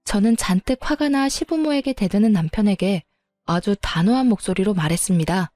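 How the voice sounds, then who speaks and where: A woman narrating a family story in the first person, in an even storytelling manner. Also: medium pitch, brisk, soft background music. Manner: even, storytelling, politely firm in quoted lines.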